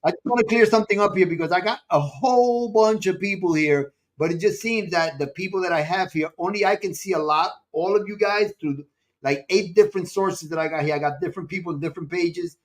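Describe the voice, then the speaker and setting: A man's voice: high voice, brisk. A man hosting a live online interview show, chatting casually and exclaiming and repeating his phrases. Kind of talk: casual chat with guest and online audience.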